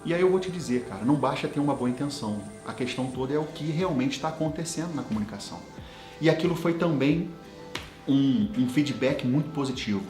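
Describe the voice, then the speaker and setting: A man in his thirties, a business coach, giving a motivational talk to leaders and telling personal stories with lively quoted dialogue. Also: mid-range voice, fairly quick, echoey room, over music.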